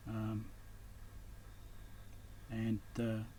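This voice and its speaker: A man's voice: lowish voice, completely flat delivery, drawn-out words, warm tone, slight background noise. A man giving casual, unscripted commentary while he works on electronics, muttering to himself in short, broken phrases. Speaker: electronics repair hobbyist and video host.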